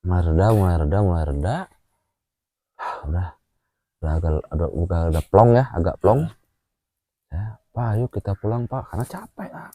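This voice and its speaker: A man recounts a personal experience in a relaxed chat. His voice is lowish and mellow, and it swings widely in pitch. The sound is dry and close. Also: moderate pace, pauses often, breathy edge, dry recording. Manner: animated, with frequent filler "ah" and "A", acts out gestures while telling. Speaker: guest telling his experience. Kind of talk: casual storytelling chat.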